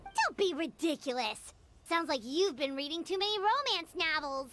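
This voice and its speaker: A woman voicing a tiny, excitable fairy companion girl in a video game, bossy and indignant. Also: very high-pitched, moderate pace, noisy background. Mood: sassy.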